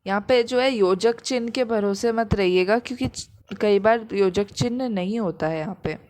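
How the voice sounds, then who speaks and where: A woman's voice: mid-range voice, moderate pace, darkish tone, a little hiss or hum. A woman teaching a grammar lesson, patiently repeating each example and explaining it step by step.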